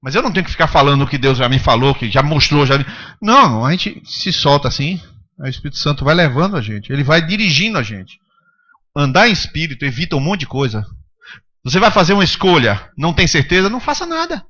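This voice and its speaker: A man preaches to his congregation in a high, bright voice, driving his points home with emphatic rhetorical questions. The recording from the church service sounds dull and lo-fi. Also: expressive, fast talker. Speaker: pastor. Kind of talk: sermon.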